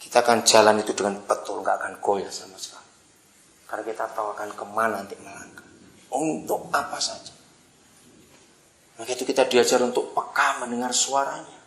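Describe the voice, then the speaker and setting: A middle-aged man delivers a sermon in a forceful, bright tone, telling stories to his listeners. He calls out to them often and swings from emphatic outbursts to soft asides. The recording is roomy with a clear echo. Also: mid-range voice, steady tone, brisk. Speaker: preacher.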